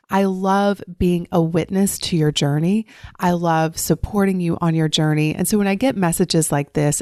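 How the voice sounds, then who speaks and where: A woman hosting her own life coaching podcast, speaking in a warm, effusive and encouraging way. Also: on the low side, no echo, studio quality. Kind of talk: podcast monologue. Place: recorded while traveling abroad.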